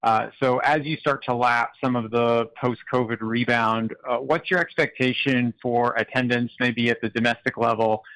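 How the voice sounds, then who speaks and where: A man speaking as an analyst, politely and a little haltingly putting a business question on a conference call. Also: medium pitch, fairly even intonation, a bit bright, no room sound, poor audio.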